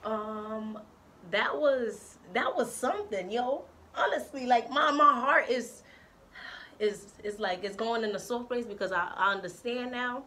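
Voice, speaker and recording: A woman hosting a casual chat show, talking in a laid-back slangy way with lots of fillers, her voice a little hoarse. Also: fairly high pitch, animated, a little slow, sharp tone. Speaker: host.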